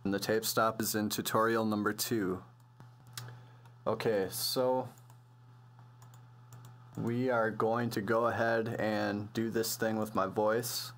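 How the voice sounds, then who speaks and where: A man with a low voice presents a music production tutorial. He explains things casually and loosely, with plenty of slang, as if working it out as he goes. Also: little pitch movement, takes it slowly, pauses often, a bit bright. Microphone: computer voice-over on a microphone.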